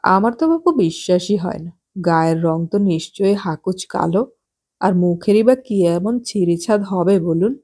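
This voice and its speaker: A woman voicing a nosy, gossipy well-off married woman in an audiobook, chatty and sharp-tongued. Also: on the low side, expressive, moderate pace, breathy edge. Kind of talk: audiobook character voice.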